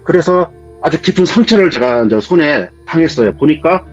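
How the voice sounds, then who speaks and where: A man with a husky voice, telling a true ghost story in a vivid, dramatic way as a guest in casual spoken storytelling. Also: a little high, animated, brisk. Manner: vivid, dramatic retelling of events. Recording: dull lo-fi sound with faint music.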